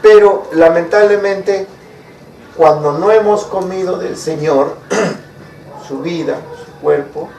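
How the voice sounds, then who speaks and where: A man with a high voice preaches slowly, stopping often to ask his listeners rhetorical questions. He is recorded from far off, in a room with a strong echo and faint ambient noise. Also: vocal fry, a little mellow. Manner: asks the congregation rhetorical questions. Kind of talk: sermon. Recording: echoey room, mic far off.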